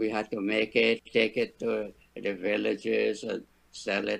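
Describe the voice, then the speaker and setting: A man's voice with vocal fry. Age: 90s. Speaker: retired general practitioner. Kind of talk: interview, life story.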